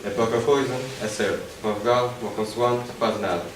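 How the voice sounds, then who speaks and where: Male student, mid pitch, steady plain reading, distant in a roomy hall with faint noise. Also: brisk. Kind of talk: poetry reading.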